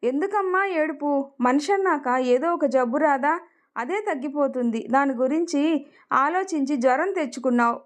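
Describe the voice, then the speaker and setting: A woman reading the lines of a gentle middle-aged mother who softly soothes and reassures her sick daughter. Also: high-pitched, normal speed, natural voice. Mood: soothing.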